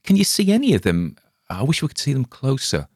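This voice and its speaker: A man's voice: lively intonation, normal speed, darkish tone, no echo, studio quality. A man voicing a nervous, frightened grown man who was shaken after a crash, reading in a dramatic audiobook style. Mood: frantic. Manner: agitated, high-pitched, pleading.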